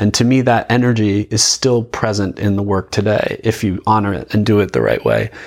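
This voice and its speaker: His pitch sits fairly low. The man's intonation stays monotone and flat. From Philadelphia, US. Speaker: theater artistic director. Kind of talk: interview. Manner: articulate.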